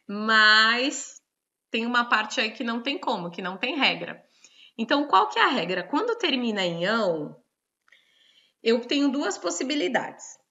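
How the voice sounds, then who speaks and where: A woman's voice: a little high, bright, forceful tone, muffled recording. A woman teacher with a Brazilian Portuguese accent, explaining grammar rules in an online lesson and checking in with frequent tag questions.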